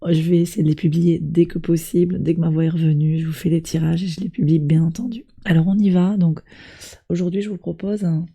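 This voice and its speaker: A woman with a cold reads tarot cards for her viewers, and her voice comes out hoarse, husky and very dark. She keeps her delivery flat and even, speaking straight to the listener in a gentle, encouraging way. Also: on the low side, brisk. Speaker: tarot reader. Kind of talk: tarot reading addressed to viewers.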